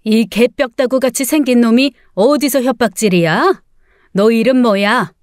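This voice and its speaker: A woman's voice: a little high, normal speed, no echo, studio quality, lightly acted. A woman voicing a fierce middle-aged mother who scolds and bluffs in an audiobook story. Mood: defiant. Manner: sharp scolding, blustering bluff.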